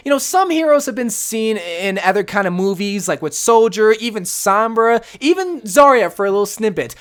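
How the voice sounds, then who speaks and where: A woman talks through her gaming ideas in a casual, slangy way, her voice raspy and a little hoarse from a recent illness. Her pitch moves about a lot as she gets animated, bouncing up and down through each thought. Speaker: gaming video host. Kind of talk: casual commentary.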